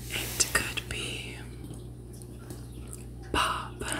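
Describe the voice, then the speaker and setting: A whispering female voice. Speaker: Reiki master and ASMR creator. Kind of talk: guided meditation / reiki session. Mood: warm, gentle, smiling. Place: home room.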